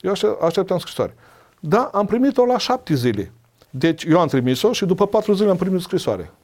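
A man's voice: sits high, big pitch swings, darkish tone. A middle-aged man, a podcast guest, sharing a personal testimony in casual talk, earnest and emotional, acting out old conversations. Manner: earnest, emotional storyteller, acts out dialogue.

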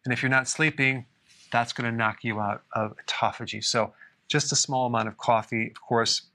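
A man with a bright, forward voice hosts a health podcast on his own. He explains things in a relaxed, conversational way and drops in deadpan sarcastic asides. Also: mid-range voice, normal speed. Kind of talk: solo explainer talk.

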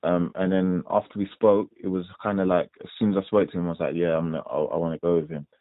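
Speaking quickly over a tinny, echo-free phone line, this young professional boxer from London has a low-pitched voice with fairly even intonation. He rambles through interview questions in a relaxed way, using lots of fillers, and his accent is London English.

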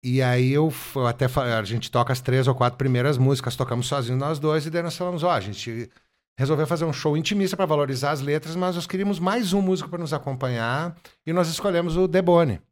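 A man from southern Brazil, a guest musician in a casual podcast chat, telling lively stories and laughing often. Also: fairly high pitch, quick pace. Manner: animated storyteller, laughs often, fillers like "cara" and "bah".

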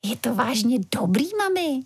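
A woman's voice: fairly high pitch, big pitch swings, gravelly, a little mellow, breathy edge, full character voice. A woman voicing an anxious, imaginative young girl in a children's storybook reading.

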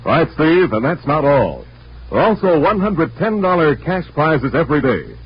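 A man's voice: a little high, very animated, normal speed, slightly rough. A man with an American accent delivering scripted ads and sign-offs as a 1940s old-time radio announcer. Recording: muffled vintage radio recording, music behind.

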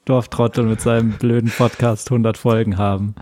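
Podcast guy, average pitch, joking around, kinda wry and fed up for fun. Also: flat delivery, normal speed, darkish tone, a little hiss or hum. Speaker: podcast co-host. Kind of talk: casual comedic chat.

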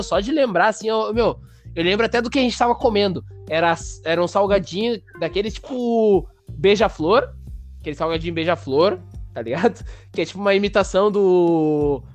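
A man, hosting a podcast and telling a story in a lively, slangy way. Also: sits high. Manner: animated, slangy, acts out sounds and voices. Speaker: podcast host. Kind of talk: casual storytelling.

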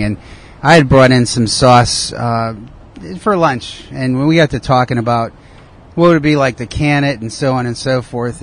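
Middle-aged man, first language Italian, earnest, halting, medium pitch. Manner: earnest, halting storytelling with fillers. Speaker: guest, police officer and sauce maker. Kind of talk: casual chat.

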